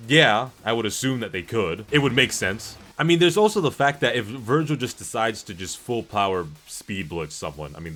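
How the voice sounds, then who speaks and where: A man's voice: lowish voice, a bit bright. A man hosting a casual gaming livestream, reading and answering chat in a rambling, slangy, profane and emphatic way. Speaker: livestream host. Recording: music playing behind the voice. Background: background music.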